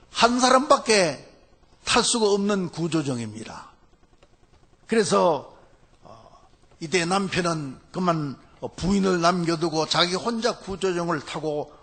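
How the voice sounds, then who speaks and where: A male pastor telling a story in a Sunday sermon, unhurried and full of hesitant fillers between phrases. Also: fairly high pitch, a bit bright.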